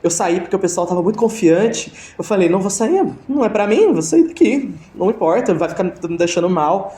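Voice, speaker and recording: A man's voice: high voice, expressive, fairly quick, warm tone, reverberant. A young Brazilian man telling a story in a casual interview, hesitant, with many restarts and fillers, over a video call. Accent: Brazilian Portuguese. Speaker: interview guest.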